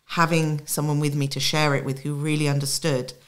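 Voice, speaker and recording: A woman's voice: deep voice, level tone, brisk, smooth. A middle-aged woman film director with a faint Welsh lilt, talking thoughtfully in an interview at a desk mic. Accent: faint Welsh, mostly neutral British. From Wales and Egypt. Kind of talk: reflective interview talk. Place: studio set with lit mirror, indoors. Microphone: desk mic on stand.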